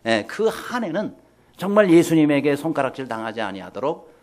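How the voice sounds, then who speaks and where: A man's voice: fairly high pitch, fairly quick. A male pastor preaching a sermon in a church, telling stories and speaking directly to his congregation. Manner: animated storytelling, addresses the congregation directly. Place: church sanctuary.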